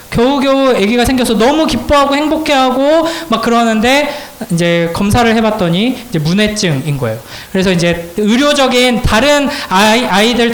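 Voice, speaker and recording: A man with a high voice preaches to teenagers in a church hall, and the sound carries an echo. He tells a story in a conversational way, then builds into fervent preaching. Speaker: youth pastor. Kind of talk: sermon to high school students.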